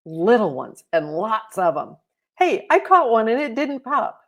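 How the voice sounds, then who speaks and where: A woman's voice: fairly high pitch, sing-song, unhurried, voice pushed up. A woman voicing an agreeable, bubbly young girl in a storybook, cheerful and full of admiration.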